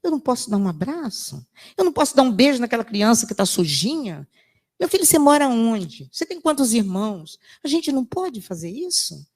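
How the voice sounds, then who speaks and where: A woman's voice: fairly high pitch, very animated, brisk, darkish tone. An older woman giving a spiritist lecture, emphatic and full of rhetorical questions, telling stories with acted quotes. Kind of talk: sermon-like lecture.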